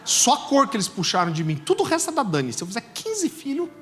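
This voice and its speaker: A Brazilian pastor in his forties preaching a sermon, telling jokey stories before turning soft and earnest. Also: very high-pitched, fast. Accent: Brazilian Portuguese. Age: 40s. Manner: animated, joking storytelling that turns soft and earnest. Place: church service. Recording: long church reverb with soft music.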